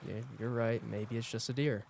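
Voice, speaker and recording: A man acts out a husband on a getaway in a live radio play. He is reassuring and a little dismissive, with a mid-pitched voice. Faint studio ambience and sound effects sit behind him. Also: steady tone, normal speed, vocal fry, darkish tone, a little hiss or hum, lightly acted. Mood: evasive, casual. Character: dismissive husband on an anniversary getaway, placating his wife.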